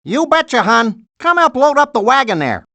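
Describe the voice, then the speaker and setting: Lilting Upper Midwestern cartoon animal mom. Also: female voice, high voice, sing-song, normal speed, gravelly, pushed and bright, dry recording, exaggerated voice. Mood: chipper, helpful. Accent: Upper Midwestern American. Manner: homespun, chipper, motherly. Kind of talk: animated video game voice acting.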